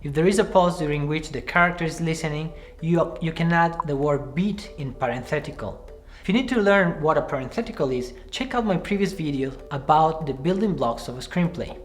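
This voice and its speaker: A man in his thirties presenting a scripted screenwriting tutorial to camera from a small room, speaking in a clear, measured way. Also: a little high, soft background music. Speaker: screenwriting teacher. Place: small room with cards pinned on the wall.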